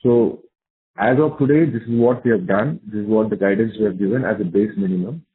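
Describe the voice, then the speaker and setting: A man's voice: on the low side, brisk. A man with an Indian accent answering investor questions as a company executive on a conference call, restating his points for emphasis, over a narrow phone line.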